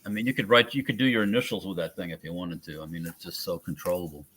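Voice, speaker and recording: A man's voice: sits low, steady tone, fast talker, a bit bright, a little hiss or hum. A man chatting casually about guns, rambling and trailing off, often chuckling. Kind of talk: casual firearms chat.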